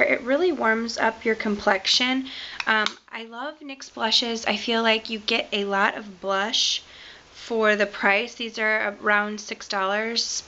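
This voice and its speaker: A woman beauty vlogger, a little raspy from being sick, chatting casually through a product review with lots of "um" and "like". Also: on the high side, pushed and bright, muffled recording, slight background noise.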